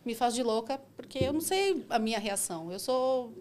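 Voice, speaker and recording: A woman rideshare driver, telling comic stories from her job in animated, casual chat. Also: fairly high pitch. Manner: animated, quick, acts out dialogue in her stories. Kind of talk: casual comic storytelling on a podcast.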